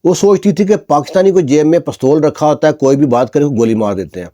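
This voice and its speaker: A man narrating a story casually, with loose colloquial phrasing and frequent fillers. His voice is fairly high for a man, but dark and mellow in tone.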